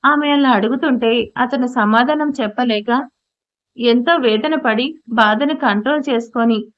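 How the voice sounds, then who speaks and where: A woman narrating an emotional audio story in a steady, scripted storytelling voice. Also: on the high side, measured pace. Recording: dull lo-fi audio.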